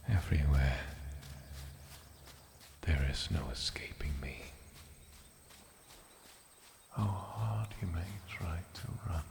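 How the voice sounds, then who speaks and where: A man playing an ancient, lonely and possessive island demon in a soft-spoken ASMR fantasy roleplay, breathy and often slipping into whispers, with a halting, sinisterly polite menace. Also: rumbling low, background noise, full character voice. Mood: stalking menace.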